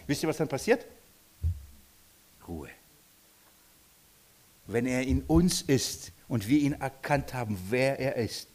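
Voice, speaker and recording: A man preaching a sermon, swinging between emphatic declarations and hushed, quiet lines, often asking his listeners direct questions. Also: fairly high pitch. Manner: dynamic, swings from loud emphasis to hushed near-whispers; addresses congregation directly with questions.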